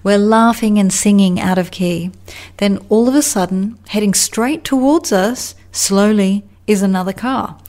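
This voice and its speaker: A woman, a communication coach, telling a story in a calm, earnest podcast monologue. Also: mid-range voice, measured pace.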